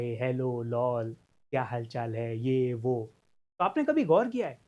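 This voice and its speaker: A male law teacher lecturing at an unhurried pace, his pitch rising and falling in a lively way. He keeps the tone conversational, poses rhetorical questions to the class, and slips English legal terms into his explanations. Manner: mixes English legal terms into Hindi speech. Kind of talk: recorded exam-prep lecture.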